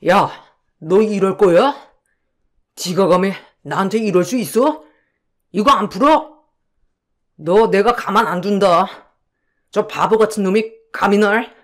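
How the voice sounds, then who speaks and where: A man's voice: sits high, a little slow, long pauses. A man playing a shameless middle-aged con man who coaxes and then turns abusive, in an audio drama. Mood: furious. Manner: slick, coaxing, turns to abusive shouting.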